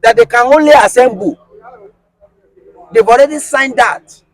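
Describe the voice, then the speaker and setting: A Nigerian man with a Nigerian accent, speaking as an interview guest in casual conversation, animated and emphatic, firing rhetorical questions. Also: very high-pitched, a little slow, poor audio.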